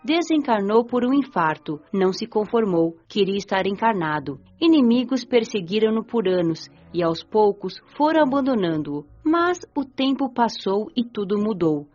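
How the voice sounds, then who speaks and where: A woman reads a first-person radio novel as its narrator. Her voice sits at a medium pitch and her delivery is measured and earnest. The recording is a little dull, with music behind her. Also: very animated, a little mellow. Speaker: audiobook narrator.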